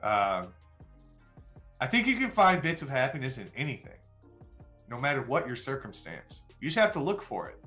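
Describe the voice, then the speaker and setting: A man in his forties chats casually and candidly with viewers on a live stream, rambling, poking fun at himself and using plenty of fillers. His mid-range voice is sing-song, pushed and bright, at a moderate pace with frequent pauses. Soft music plays behind him.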